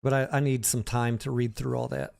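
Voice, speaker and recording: A man's voice: mid-range voice, flat delivery, a little fast, vocal fry, a little mellow. A man hosting a livestream, talking casually about the stock market and answering viewers by name in a conversational way.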